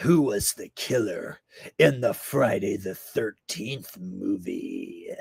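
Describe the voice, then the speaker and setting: A man in a raspy, put-on character voice speaks at a very slow pace. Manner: menacing, teasing.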